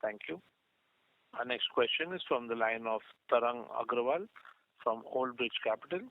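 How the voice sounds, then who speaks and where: Male conference-call moderator, polite scripted delivery, average pitch, phone-band sound. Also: lively intonation, normal speed, vocal fry, no echo. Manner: polite, formal. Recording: narrow phone-line sound.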